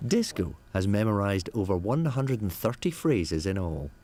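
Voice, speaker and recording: Male narrator, lowish voice, lively intonation, scripted wildlife storytelling, background noise. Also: normal speed. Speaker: documentary narrator.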